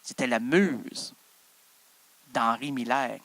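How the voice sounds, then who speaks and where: A man's voice: medium pitch, slow pace, gravelly, fairly bright tone, roomy sound, long reverb tail. A man with a Québécois accent improvising a comic stage monologue, rambling, interrupting himself and teasing the audience. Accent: Québécois French. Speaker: improv performer and host.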